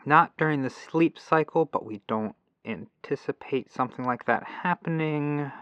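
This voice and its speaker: A man's voice: mid-range voice, fairly bright tone, no room sound. Guy acting as polite robot tech support dude on a dull dry phone line, patient n reassuring, asmr roleplay. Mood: patient, thoughtful. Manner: reassuring, methodical, helpful. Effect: telephone lo-fi filter. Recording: dull lo-fi telephone sound.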